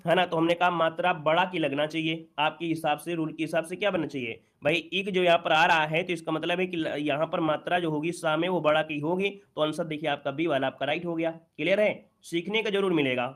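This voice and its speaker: A man's voice: fairly high pitch, fairly even intonation, a little fast, hardly any pauses, a bit bright. A man teaching an exam-prep Hindi spelling lesson, repeating key points and asking the class rhetorical questions, then answering them himself.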